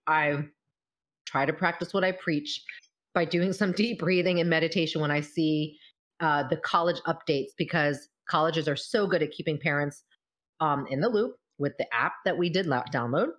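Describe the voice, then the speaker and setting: Low-voiced expressive woman. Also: moderate pace. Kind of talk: casual conversation.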